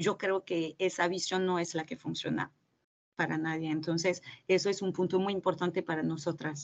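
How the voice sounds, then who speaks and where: Over a quiet background, a woman speaks at a moderate pace with a fairly low pitch and monotone, flat intonation. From France, Bordeaux region. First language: French (speaking Spanish). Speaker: interior design studio co-founder. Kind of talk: interview.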